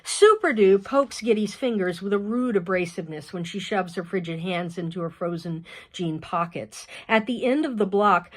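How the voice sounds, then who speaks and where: Woman, author reading aloud, expressive storytelling, measured, mid-pitched. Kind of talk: reading her novel aloud.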